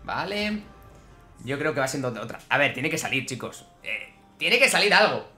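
Man, Spain Spanish accent, excitable game commentary, animated pitch, faint background music. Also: normal speed. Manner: excitable, swings from grumbling to yelling. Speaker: gaming YouTuber. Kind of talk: gameplay commentary to viewers.

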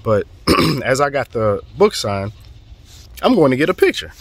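A man from the southern United States with a hoarse, fading voice, telling an animated, profane story in a casual vlog. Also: mid-range voice, measured pace, background noise. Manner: animated, profane, acts out quotes. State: hoarse, voice going. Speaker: real estate vlogger.

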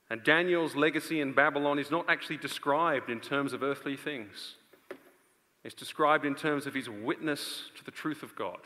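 Male conference preacher, 30s. Forceful, bright tone, earnest delivery with weighty pauses, heard in a large reverberant auditorium. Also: medium pitch. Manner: earnest, rhetorical, with dramatic pauses and swings from loud to hushed. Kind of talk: live sermon to a large audience. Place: stage of a large indoor auditorium.

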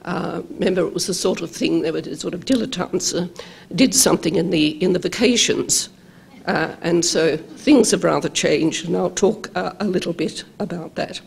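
An older Australian woman, a law professor with a croaky voice from travel, giving a halting conference lecture at a lectern microphone in a large hall. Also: fairly low pitch, darkish tone. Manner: halting, many ums and uhs, measured.

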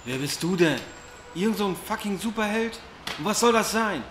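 A taunting male gang thug, leering and drawling. His highish voice swoops widely up and down. It is an echoey audio drama scene with noisy ambience. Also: animated, normal speed. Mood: mocking, aggressive.

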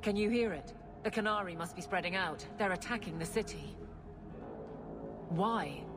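A resolute female guard captain from a fantasy game, voiced by an actress, speaks in a lowish voice with stern urgency. Clear music plays behind her. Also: moderate pace, natural voice. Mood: urgent, stern. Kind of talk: scripted fantasy game dialogue.

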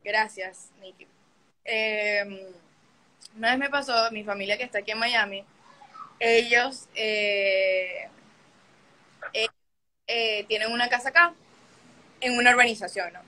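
Bright-voiced young woman storyteller. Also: on the high side, unhurried, long pauses. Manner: animated, swears often, acts out scenes. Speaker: livestream host. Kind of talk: casual storytelling.

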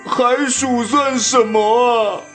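An actor voices a grumbling, hungry animal from a children's radio drama. The creature talks extremely slowly, stammers and whines, with light music behind. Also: medium pitch, fairly even intonation, natural voice. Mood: miserable, whiny. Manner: stammering, whiny. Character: hungry, grumbling, slow-witted cartoon animal.

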